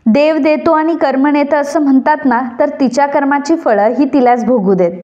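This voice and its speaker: A woman voicing an old father who calmly moralizes with a proverb. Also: high voice, moderate pace, dull audio, natural voice. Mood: calm moralizing. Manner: calm proverb-quoting.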